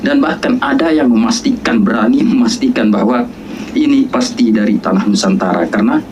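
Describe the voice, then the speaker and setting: A man's voice: medium pitch, a little fast, darkish tone, slight background noise, rough recording. A man with an Indonesian accent giving casual video commentary, chatty and speaking straight to his viewers. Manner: chatty, addresses viewers as "geng".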